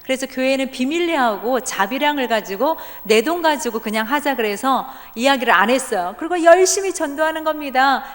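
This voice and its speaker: A woman deaconess giving a testimony at a church service, telling her story in a lively way and acting out the dialogue. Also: high-pitched. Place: church sanctuary. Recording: church hall reverb.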